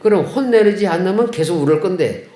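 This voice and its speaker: A man's voice, a little higher than most, fills an echoey chapel. He preaches in a folksy style and keeps asking the congregation questions. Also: lively intonation, fairly quick, mellow. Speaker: Catholic priest. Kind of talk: homily. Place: chapel of a care center. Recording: echoey room.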